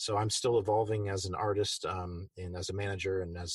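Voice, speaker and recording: A somewhat breathy male voice over a quiet background. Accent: American. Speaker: movie trailer voice actor. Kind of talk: interview answer. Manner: casual.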